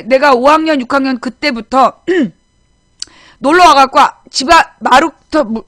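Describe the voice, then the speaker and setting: A woman's voice: sits high, fairly bright tone, no echo, clean studio sound. A woman in her forties hosting a live political chat show, recalling her childhood in a rambling, chatty way with frequent restarts. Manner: chatty storytelling with frequent restarts, reads viewer names aloud. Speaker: political talk show host. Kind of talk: casual live-stream chat.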